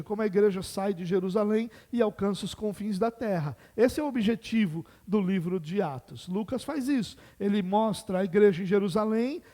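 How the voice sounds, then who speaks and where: With a warm, high-pitched voice and a Brazilian Portuguese accent, this pastor delivers an expository sermon. His explanations are patient, punctuated by rhetorical questions.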